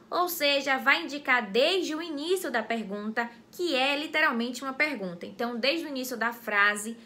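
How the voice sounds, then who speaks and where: Bright, high-voiced Brazilian woman teaching. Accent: Brazilian Portuguese. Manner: clear and didactic, speaks straight to viewers. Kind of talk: educational explainer video.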